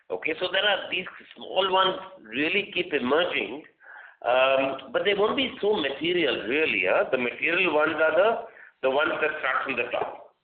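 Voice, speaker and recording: A man's voice: medium pitch, phone-quality sound. A man, a company executive answering investor questions off the cuff, often checking understanding with small tags like "right" and "okay". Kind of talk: unscripted earnings call answers. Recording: echoey, thin phone conference line.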